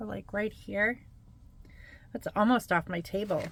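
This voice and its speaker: A woman is speaking. Her pace is moderate. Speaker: scrapbooking youtuber. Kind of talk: craft tutorial. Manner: halting.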